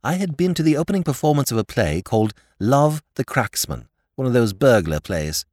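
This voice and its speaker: Man voicing an earnest young gentleman, very expressive. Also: medium pitch, moderate pace, dry recording, studio quality. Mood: confessing. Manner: earnest, explanatory.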